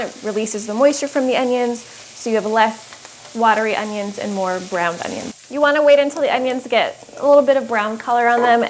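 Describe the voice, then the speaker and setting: A woman's voice: fairly high pitch, slight background noise. Chatty young woman cooking at home. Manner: chatty, upbeat, explains as she cooks. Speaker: cooking video host. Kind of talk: casual cooking demonstration. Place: home kitchen, indoors. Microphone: small lapel mic.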